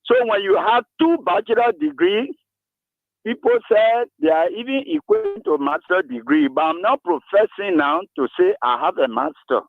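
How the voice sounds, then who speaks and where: A man in his seventies with a Liberian English accent, calling in to a radio talk show and speaking slowly about himself. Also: high voice, dry recording. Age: 70s. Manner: slow, lively rises and falls, gravelly. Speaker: caller. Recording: tinny dry phone line.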